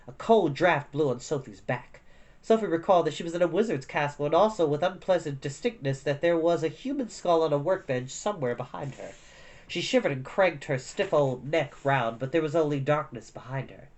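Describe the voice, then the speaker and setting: A man reading a storybook aloud as an expressive narrator. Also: on the high side, brisk. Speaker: storytime reader.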